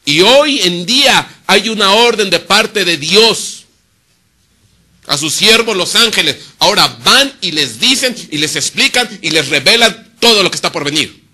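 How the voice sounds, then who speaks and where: Preaching a sermon, a man swings from loud emphasis to quiet, low asides and answers his own rhetorical questions. He speaks a little slowly, with lively intonation.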